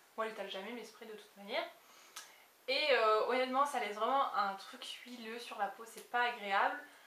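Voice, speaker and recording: A woman speaks at a moderate pace with a fairly high pitch, ordinary pitch variation and long, frequent pauses. Her loudness swings a lot, and the room echo is audible. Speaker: beauty vlogger. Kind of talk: haul video, casual product review. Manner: hesitant, many fillers.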